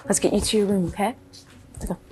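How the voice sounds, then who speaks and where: An actress playing a busy, caring hospital nurse who talks briskly. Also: female voice, mid-range voice, steady tone, close to an everyday voice.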